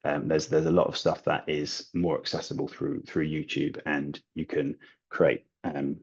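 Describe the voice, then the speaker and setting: A man with a very deep, husky voice chats easily as an interview guest, often pausing on "um" and restarting his sentences. His audio sounds dull and lo-fi, like a remote call. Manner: relaxed, laughing, many restarts and ums. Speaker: guest, language learning YouTuber. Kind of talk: casual interview chat.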